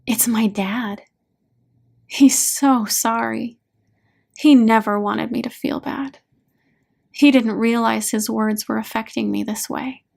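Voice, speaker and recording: A woman narrator performs a hurting daughter in a dramatized therapy story. The voice sits fairly high and frays into fry, emotional and pleading, full of wounded feeling. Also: steady tone, a little slow. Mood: tearful relief. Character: hurting daughter pleading with and raging at her father.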